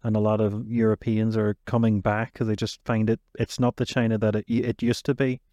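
A man's voice: lowish voice, flat delivery, brisk, warm tone, no echo. A man co-hosting a podcast, asking questions in a casual, conversational way. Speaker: podcast co-host.

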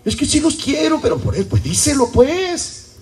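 A man's voice: very high voice, wildly swooping pitch, moderate pace, a little mellow. A pastor preaching a sermon to his church, often throwing rhetorical questions at the congregation. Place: church service.

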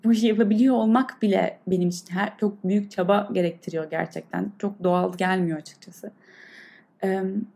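A woman's voice: medium pitch, steady tone, normal speed, vocal fry, warm tone. A woman speaking earnestly and thoughtfully, with small halts, like a podcast host leading a reflective meditation talk.

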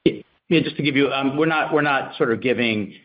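A man answering analysts as a company executive on an earnings call, in a halting, careful way. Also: mid-range voice. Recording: dull, lo-fi conference call audio.

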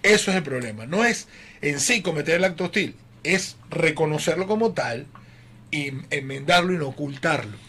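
High, bright-voiced man. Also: moderate pace, husky. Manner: animated storyteller, acts out quoted voices. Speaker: guest. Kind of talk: casual chat.

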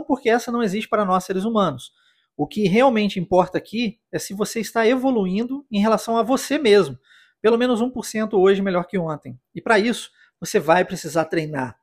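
A husky-voiced man from Brazil teaches English on his podcast. He speaks fairly high and explains each point patiently, often pausing to check in with the listener. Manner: encouraging, explanatory, frequent tag questions. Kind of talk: podcast lesson addressing listener.

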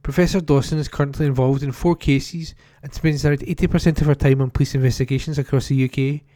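A man reading a newspaper report aloud in an even, plain way, with small restarts. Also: medium pitch, fast talker, no room sound. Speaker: newspaper article reader. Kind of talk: read-aloud news report.

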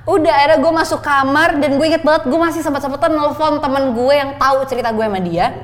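Animated woman telling a story. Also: high voice, fast talker. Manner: animated, laughs often while telling. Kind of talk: casual storytelling chat. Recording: long reverb, faint noise.

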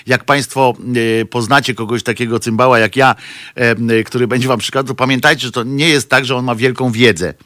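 A man's voice: mid-range voice, steady tone, brisk, bright, forceful tone. A man giving casual satirical commentary as a regular on a weekly show. He rambles and hesitates with many restarts, mocking news stories with dry sarcasm. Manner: mocking the press and clergy with dry jokes.

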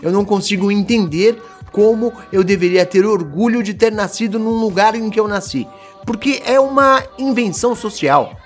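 Blunt, animated Brazilian man. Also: high voice, normal speed, soft background music. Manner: blunt, animated, rhetorical questions. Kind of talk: casual opinionated discussion.

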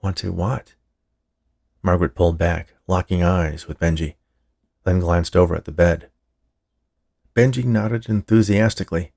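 A man's voice: deep voice, steady tone, moderate pace, gravelly, darkish tone. A man narrating a scripted fiction story as a podcast storyteller. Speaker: writer, narrator and podcast host.

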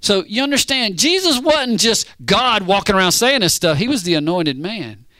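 A man preaching a sermon in a conversational way, often asking the congregation if they understand, and slowing down to read scripture. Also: sits high, lively intonation, bright, forceful tone, no room sound. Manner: conversational, keeps checking in with the congregation; reads scripture slowly and deliberately.

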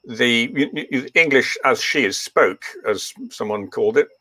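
Bright-voiced older man, rambling. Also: medium pitch, unhurried, dry recording. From East Africa. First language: Swahili. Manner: rambling, full of ums and restarts. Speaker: guest, veterinarian. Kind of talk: relaxed interview storytelling.

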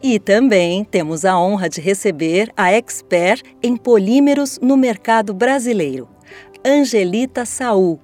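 A woman's voice: medium pitch, animated, a little slow, darkish tone, faint music behind. Brazilian woman hosting, formal and scripted. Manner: formal, articulate. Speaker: podcast host. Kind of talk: scripted podcast presenting.

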